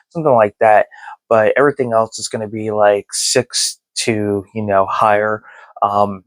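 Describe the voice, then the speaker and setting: A thirty-something movie review host, born in Texas and raised in Germany and Florida, rambles casually to his viewers on camera, full of fillers. His voice sits on the low side, with no echo.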